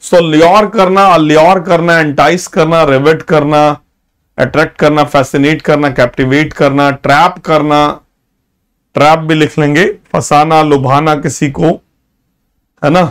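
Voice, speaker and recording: A man's voice: fairly high pitch, steady tone. Man teaching English words in Hindi. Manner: switches between Hindi and English, with slow, drawn-out English example sentences; praises students by name and urges them to take notes. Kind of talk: live online vocabulary class.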